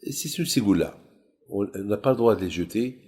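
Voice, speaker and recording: A middle-aged man with a Moroccan accent, a rabbi telling an informal religious story in halting phrases that he often repeats for emphasis. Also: fairly low pitch, expressive, darkish tone.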